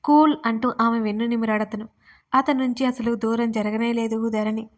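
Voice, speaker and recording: A woman storyteller reading a romance story aloud in steady, even scripted narration. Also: fairly high pitch, moderate pace.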